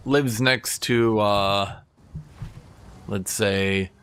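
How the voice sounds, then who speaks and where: A man's voice: on the low side, fairly even intonation, very slow, a bit bright, a little hiss or hum. A man streaming a game, chatting casually and rambling to his viewers. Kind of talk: casual chat while gaming.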